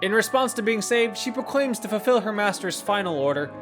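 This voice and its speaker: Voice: mid-range voice, lively intonation, fairly quick. A video reviewer reading a scripted first-impressions narration in an enthusiastic, opinionated manner. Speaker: video game reviewer and host. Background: guitar and instrumental music.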